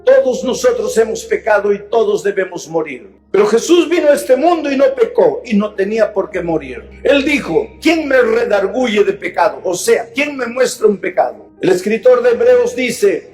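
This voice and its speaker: Man preaching, high voice, hushed then shouting, acts out dialogues, faint music behind. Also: sing-song, normal speed. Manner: swings between hushed tender pleading and shouted preaching; acts out dialogues between characters in his own voice. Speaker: pastor. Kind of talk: sermon.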